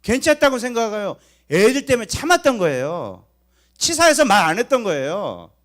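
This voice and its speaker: Lively high-voiced male pastor preaching. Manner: animated, swinging between loud and hushed. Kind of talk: sermon.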